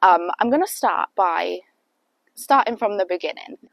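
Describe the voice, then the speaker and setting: A woman's voice: mid-range voice, lively intonation, normal speed, creaky, dry recording. A young British woman with a sniffly cold, telling a chatty, rambling personal story to her viewers. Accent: British English. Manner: chatty and rambling, heavy use of "like". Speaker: vlogger. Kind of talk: casual storytime chat.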